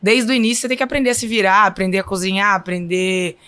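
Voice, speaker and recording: A woman's voice: mid-range voice, fast talker, pushed and bright, smooth. A woman in her thirties with a Minas Gerais accent, telling stories as a guest in a podcast interview. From Brazil. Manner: chatty, often says "então, assim". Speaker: guest volleyball player. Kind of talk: casual interview storytelling.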